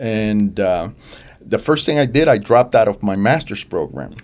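With a Spanish accent, a man speaks using lively intonation. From Cuba. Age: 60s. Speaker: real estate investor. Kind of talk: interview.

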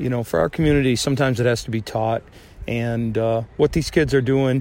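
An unremarkable speaking voice from a man with an American accent, moderate pace and ordinary pitch variation. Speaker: high school football coach. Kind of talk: pregame interview. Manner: relaxed, laughs, repeats words.

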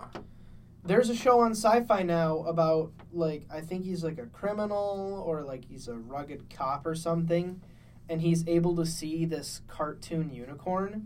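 With audible room echo, a man in an American accent speaks at a moderate pace with a high pitch and ordinary pitch variation. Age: 20s. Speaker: podcast host. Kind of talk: casual chat. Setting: studio.

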